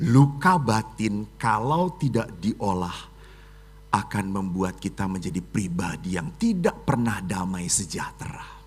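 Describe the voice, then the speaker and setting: Middle-aged priest preaching, bright voice, super animated, jumps from loud to whispery, cracks jokes. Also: male voice, mid-range voice. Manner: dramatic, swings from loud exclamations to hushed whispers, jokey asides. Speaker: Catholic priest. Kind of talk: lively homily.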